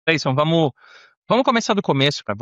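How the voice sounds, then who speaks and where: A man's voice: a little high, sing-song, fast, fairly bright tone, no room sound, muffled recording. A Brazilian man with a São Paulo accent hosting a podcast interview in an informal, slangy, conversational way. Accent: Brazilian Portuguese, São Paulo. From Brazil, São Paulo state. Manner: informal, peppers talk with slang.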